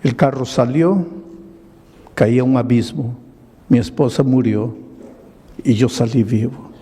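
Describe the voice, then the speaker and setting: Older man doing a broken drunk guy confessing, pleading, husky, echoey hall. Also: medium pitch, a little slow, mellow. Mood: grieving. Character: grieving middle-aged male drunkard, broken and remorseful.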